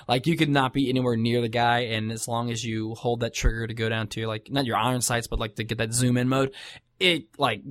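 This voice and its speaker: A man's voice: medium pitch, steady tone, a little fast, fairly bright tone, no echo. A man talks loosely and at length, circling back with lots of fillers and false starts. His voice sits in a middle range. The sound is close and dry, with no room around it. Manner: rambling, many fillers and restarts. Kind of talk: casual chat about video games.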